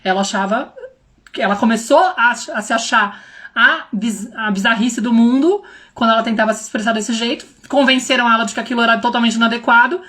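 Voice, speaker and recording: A young woman with a high, bright-toned voice gives a casual livestream talk as a parenting mentor. Her São slips in often, and she talks straight to her viewers with lively, animated delivery. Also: brisk. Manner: animated, addresses viewers directly, acts out quoted voices.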